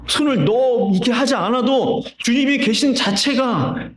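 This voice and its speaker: A man preaching a sermon as pastor, telling stories and asking the congregation rhetorical questions. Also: very high voice. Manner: conversational storytelling with rhetorical questions. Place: church sanctuary. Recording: roomy church reverb.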